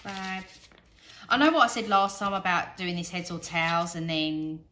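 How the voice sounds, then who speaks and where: A woman's voice: lowish voice, moderate pace, pushed and bright. A British woman chatting casually as she narrates a hands-on task, thinking aloud in a rambling, self-deprecating way. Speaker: budgeting vlogger. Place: indoors at a wooden table.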